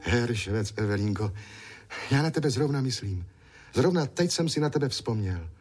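A man voicing an impatient, lovesick young soldier who talks excitedly and pleads. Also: mid-range voice, slightly rough, faint music behind, voice pushed up.

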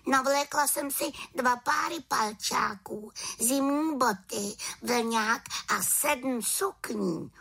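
A woman voicing a small young witch in a storybook reading, in a high childlike voice. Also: vocal fry, few pauses, sharp tone, breathy edge, full character voice. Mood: plaintive. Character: small young female witch, lively and chatty. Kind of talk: audiobook character reading.

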